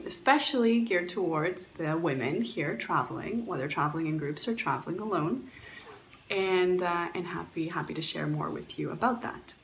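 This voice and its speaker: A woman's voice: fairly low pitch, reverberant, a little hiss or hum, poor audio. A woman from Poland, raised in Canada, giving earnest travel advice with frequent fillers and restarts. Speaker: guest traveler sharing advice. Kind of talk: recorded talk answering questions.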